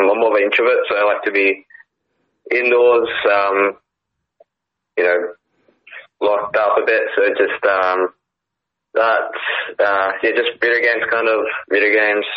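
A young man in his late teens, a tennis player guest, talking in a soft, hesitant way with many ums and fillers. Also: fairly low pitch, flat delivery, measured pace, long pauses. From Australia. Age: young adult. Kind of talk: casual interview chat. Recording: lo-fi phone-like call audio.

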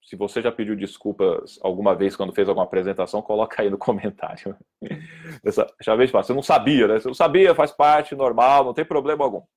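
A man teaching public speaking in an informal video lesson, emphatic and lively, sometimes scolding. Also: fairly low pitch, quick pace. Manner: emphatic, lively, scolding tone, acts out quoted students.

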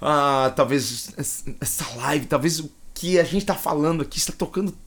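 A man's voice: fairly high pitch, normal speed, a bit bright. A man with a Brazilian accent preaching a livestreamed sermon, fervent and repetitive, with emotional swells in his voice. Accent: Brazilian Portuguese.

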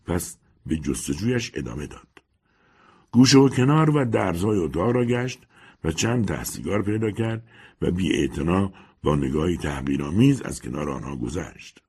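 A man reading a literary short story aloud as an audiobook narrator, telling it in an expressive way. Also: low-pitched, husky.

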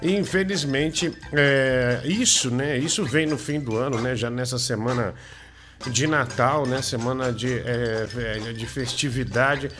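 A Brazilian-accented man hosts a comic radio show with music playing behind his voice. Speaking at a measured pace in a medium pitch, he teases and mocks in repetitive banter, repeating himself.

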